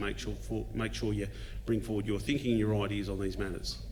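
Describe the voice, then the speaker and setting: With an Australian accent, a man speaks in a space with audible room echo. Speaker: state government minister. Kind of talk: fireside chat interview. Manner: halting, many fillers.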